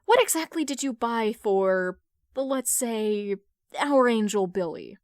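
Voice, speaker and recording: Woman acting stern female friend, prosecutorial, pointed questions, sharp-witted, highish voice, audio fiction. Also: lively intonation, dry recording, clean studio sound. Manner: pointed, interrogating, deliberate.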